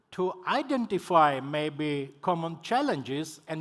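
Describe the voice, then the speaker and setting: A man is speaking. He has a Georgian accent. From Georgia, Tbilisi. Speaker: NGO representative, moderator. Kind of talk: conference opening speech. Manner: formal; halting.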